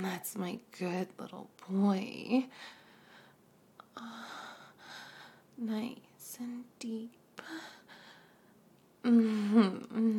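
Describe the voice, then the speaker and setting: A woman whispers very close to the mic in an intimate roleplay, breathy and coaxing. Her delivery is unhurried and drawn out, with a mellow, low-lit tone and a gentle gravelly fry at the edges of her words. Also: a little hiss or hum. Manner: breathy whispering with soft hums. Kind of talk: whispered adult ASMR roleplay. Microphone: close microphone.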